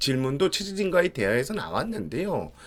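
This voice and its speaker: A man's voice with a high pitch. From Changwon, South Korea. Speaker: sports journalist. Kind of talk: video report to camera. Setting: outdoors at stadium. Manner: formal, clear.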